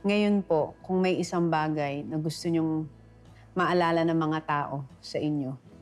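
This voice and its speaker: A woman's voice: deep voice, steady tone, unhurried, darkish tone, soft background music. A woman hosting an interview show, listening closely and asking short questions. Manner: attentive, brief prompts and nods. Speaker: talk show host.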